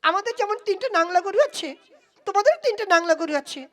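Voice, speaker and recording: A woman's voice: very high voice, animated, fast talker, a bit bright. A woman playing an impatient young girlfriend, scolding and emphatic, in a comic puppet play. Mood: insistent. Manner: emphatic, nagging, indignant.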